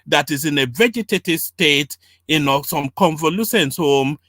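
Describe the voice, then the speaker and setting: Pushy, animated male debate host. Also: fairly high pitch, moderate pace, no room sound, clean studio sound. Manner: pressing, repetitive, talks over the guest. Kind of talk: heated live panel debate.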